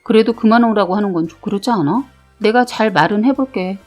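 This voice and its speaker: A woman's voice: mid-range voice, brisk, darkish tone, soft background music, close to an everyday voice. A woman reading a story aloud, voicing a weak-willed young husband who answers in a grudging, evasive way.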